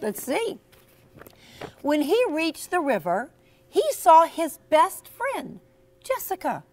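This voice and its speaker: A woman with a fairly high, very animated voice reads aloud to young children. She is slow and teacherly, encouraging them along and stressing words theatrically. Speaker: storyteller and author. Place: in front of a class of children.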